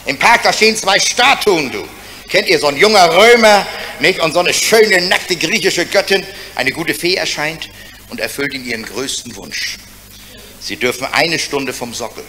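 A man's voice: on the high side, lively intonation, bright, forceful tone, a little hiss or hum. A man telling one joke after another as a stand-up comedian, tagging lines with "du" and "hä?". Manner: fast joke after joke, punctuated with "du" and "hä?".

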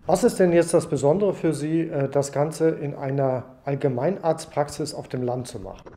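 Interviewer mit weicher, eher hoher Stimme. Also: male voice, fairly high pitch, moderate pace, dark tone. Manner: formal, polite questions. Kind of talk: interview questions.

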